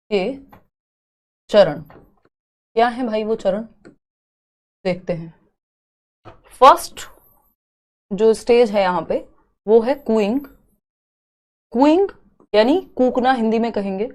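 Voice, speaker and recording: A young woman teaching a live online class, explaining step by step and slowly repeating key terms. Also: a little high. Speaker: online exam-prep teacher.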